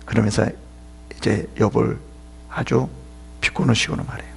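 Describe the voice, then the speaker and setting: A man's voice: on the low side, fairly even intonation, normal speed, creaky, husky. A man pastor giving an emphatic sermon at a church seminar, addressing listeners sharply and sometimes dropping into a whisper.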